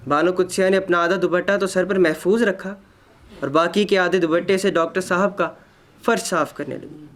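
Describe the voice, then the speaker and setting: A man narrating a literary short story in an expressive, measured, dramatic reading style. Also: high voice, slight background noise.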